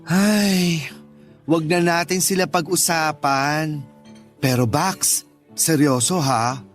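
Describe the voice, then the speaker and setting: A man's voice: a little high, steady tone, slow pace. An actor playing a teasing, loyal young gay man in a Tagalog radio drama, with campy banter. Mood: sincere, wistful. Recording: music bed behind the voice.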